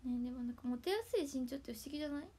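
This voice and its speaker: A young woman with a Hakata dialect, chatting casually on her livestream from home and thanking viewers, often slipping into soft whispery asides. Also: sits high, rapid-fire, slightly rough. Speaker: idol livestream host. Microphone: tablet built-in mic.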